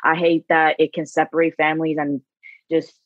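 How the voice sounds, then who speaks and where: A woman from South Korea telling her personal story as a podcast guest, candid and quick to laugh. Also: deep voice, level tone, dry recording, narrow, tinny audio.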